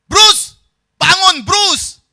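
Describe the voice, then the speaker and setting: A man voicing a frantic young man who yells urgently and keeps repeating his warning. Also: very high-pitched, animated, very slow, pitched above the performer's own voice, full character voice. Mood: frantic yelling. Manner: yelling urgently, repeating himself.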